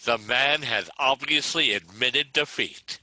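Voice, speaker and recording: Man playing a slow, sharp-voiced pompous announcer. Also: mid-range voice, no echo, low-quality recording. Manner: deliberate, grandiose announcer delivery. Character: pompous young male rival, slow mock sportscaster. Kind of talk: virtual table read acting.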